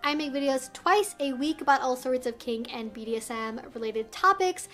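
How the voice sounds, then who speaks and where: High-pitched woman presenting an explainer vlog. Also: normal speed, a bit bright. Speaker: video host and educator. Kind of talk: semi-scripted explainer vlog to viewers.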